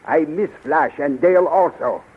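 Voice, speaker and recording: Old tinny radio show, an excitable fussy inventor, high husky voice, very earnest. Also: male voice, moderate pace. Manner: precise, earnest, emphatic repetitions. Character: eager, fastidious scientist-inventor, excitable and deferential. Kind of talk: 1930s radio serial acting. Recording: muffled, tinny 1930s radio recording.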